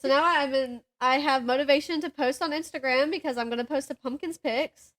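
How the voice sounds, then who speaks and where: Speaking a little fast in a high voice, this book podcast co-host keeps the banter loose and chatty. Her retellings are slangy and lively, full of acted-out quotes from the people involved.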